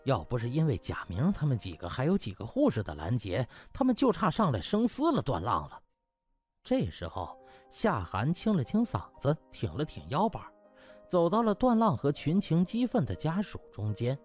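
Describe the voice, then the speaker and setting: A man's voice: medium pitch, huge pitch swings, moderate pace, a little mellow, faint music behind. A man narrating a comic novel in a dramatic, theatrical storytelling style. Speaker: audiobook narrator.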